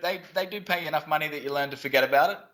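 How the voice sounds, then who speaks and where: A man with an Australian accent talks at a fairly high pitch. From Australia, Brisbane. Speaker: SEO consultant. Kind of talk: podcast interview.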